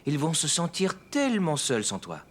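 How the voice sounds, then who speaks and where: Lively, patient cartoon dad. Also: male voice, a little high, normal speed. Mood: gently firm. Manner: soothing, patient. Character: gentle, reassuring young father of small boy. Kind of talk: cartoon voice acting, French dub. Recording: faint music behind the voice.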